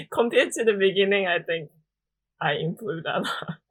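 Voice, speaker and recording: As a guest on a casual podcast interview, a young Japanese woman with a Japanese accent chats away, peppering her speech with "like" and soft laughs. Her medium-pitched voice is husky and animated, moving at a moderate pace.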